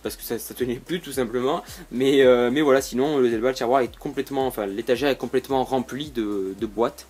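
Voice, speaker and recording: A man's voice: medium pitch, a little fast, few pauses, a little mellow, slightly rough. Rambling young man giving a room tour. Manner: rambling with many fillers and restarts, jokey. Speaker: YouTuber. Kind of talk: casual room tour vlog. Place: bedroom. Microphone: camera on tripod.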